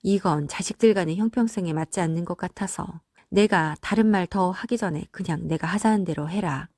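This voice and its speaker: A woman's voice: fairly low pitch, brisk, a little mellow, no room sound, clean studio sound, lightly acted. A woman voicing a hurt but firm older mother in a story, speaking with reproach and resolve.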